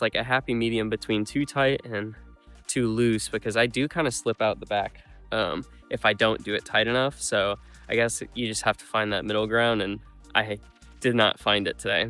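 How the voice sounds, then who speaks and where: A man's voice: medium pitch, a bit bright. Stuffed-up man rambling about his run. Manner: rambling, full of ums and likes. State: stuffed-up nose and congested. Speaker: running vlogger. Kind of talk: casual vlog recap.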